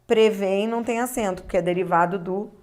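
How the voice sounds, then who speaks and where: A woman's voice: mid-range voice, fast talker, a little mellow. A woman teaching a video grammar lesson, explaining step by step and checking that the listener follows. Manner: explanatory, checks understanding with tag questions.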